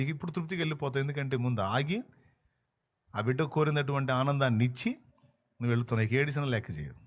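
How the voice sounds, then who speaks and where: A man preaching a sermon as a pastor, telling a story fervently and swinging between hushed and loud passages. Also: medium pitch.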